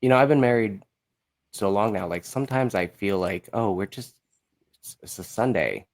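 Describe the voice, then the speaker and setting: Very deep-voiced man chatting casually. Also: animated, moderate pace. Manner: informal, hesitant, searching for words. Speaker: podcast guest, musical creator. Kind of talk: casual interview chat.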